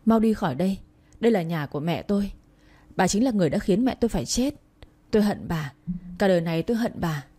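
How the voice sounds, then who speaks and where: A woman voicing a grieving young girl who shouts and sobs at the adults around her. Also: medium pitch, expressive, fast, slightly rough. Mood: angry. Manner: pleading, crying outbursts.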